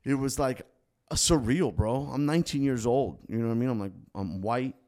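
A man's voice: mid-range voice, fairly quick, darkish tone. A native Spanish speaker from South Florida, a man in his thirties, talks through a story in a loose, rambling way. He leans on slang, restarts his sentences and drops "bro" at the end of most lines, with a mid-range voice. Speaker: podcast guest. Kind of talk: casual storytelling in a podcast conversation.

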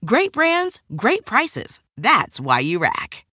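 A woman's voice: a little high, huge pitch swings, slow, bright, forceful tone, husky, dry recording, studio quality. A woman reading a retail ad with a punchy, emphatic delivery. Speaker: ad announcer. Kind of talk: upbeat retail ad read.

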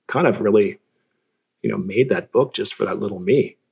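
Husky low-voiced man from California. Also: normal speed, darkish tone. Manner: reflective, self-deprecating, many restarts and fillers. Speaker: guest artist and filmmaker. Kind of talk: relaxed conversational interview.

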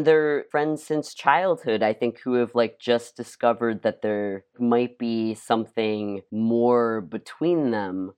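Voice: mid-range voice, darkish tone, clean tone. An American actor giving a casual interview, talking in a hesitant, filler-heavy way with youthful enthusiasm.

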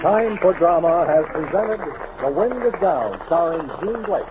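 An old-time radio announcer reading formally. His voice is on the high side, on a muffled recording with clear background noise. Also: animated, a little slow.

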